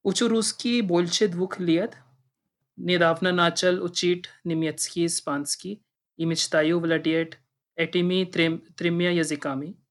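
A nervous Indian man in his twenties, a native Hindi speaker, is a podcast guest speaking in his second language with an Indian accent. He talks carefully and formally, his high voice steady in tone and unhurried.

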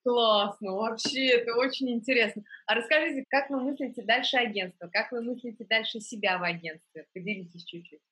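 A woman's voice: a little high, brisk, few pauses, sharp tone, slightly rough. A woman interviewer asking questions and praising her guest's answers with enthusiasm. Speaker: interviewer, host.

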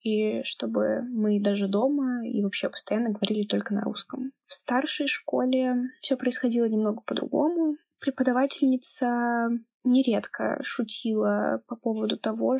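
Calm young woman, slightly high voice. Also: vocal fry. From Kamchatka, Russia. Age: late teens. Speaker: storyteller. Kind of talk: personal account, reflective narration.

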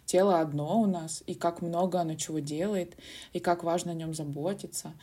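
A young woman near thirty co-hosting a podcast, agreeing warmly and telling reflective stories from her own life. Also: on the low side, fairly even intonation, brisk, breathy edge. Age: 20s. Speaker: podcast co-host. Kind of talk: casual podcast chat.

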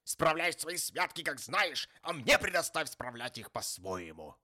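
A man's voice: fairly low pitch, very animated, a little slow, sharp tone, full character voice. A man reading an audiobook voices a grumpy, stingy old miser who talks in a scornful, harsh, snapping way.

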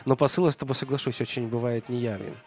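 A man's voice: medium pitch, steady tone, fast talker, a little mellow. A man in a casual podcast conversation, agreeable and reflective, hesitating with fillers.

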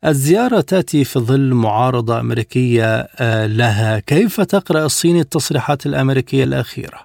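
A man's voice: medium pitch, lively intonation, fast, gravelly, darkish tone, no room sound. A man hosting a radio interview, speaking formal Standard Arabic in a broadcast manner.

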